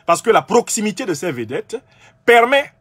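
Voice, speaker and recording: A man's voice: sits high, sing-song, moderate pace, breathy edge, dry recording, studio quality. A man from Cameroon giving a lecture-style monologue, emphatic and argumentative, speaking straight to his listeners. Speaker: political commentator.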